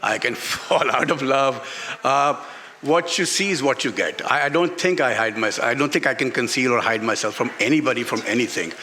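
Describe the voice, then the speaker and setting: A man with a Pakistani accent speaks off the cuff as an interviewed author. His voice is bright and forceful at an average male pitch, and he halts, restarts and repeats phrases for emphasis. The sound rings with long reverb, as from a public-address system. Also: normal speed. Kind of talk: unscripted on-stage literary interview. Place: literature festival stage before an audience.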